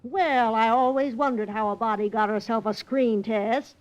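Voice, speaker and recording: A woman's voice: fairly high pitch, fairly even intonation, normal speed, dull audio, natural voice. An actress playing a chatty, folksy landlady who is eager for a screen test. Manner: folksy, coy. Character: chatty, flirty middle-aged landlady.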